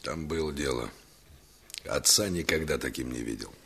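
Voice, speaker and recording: An actor playing a grave village man with a husky voice who brings news and gives stern advice in an archival radio drama. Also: very deep voice, normal speed, fairly bright tone, heavily acted. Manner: grave, instructive.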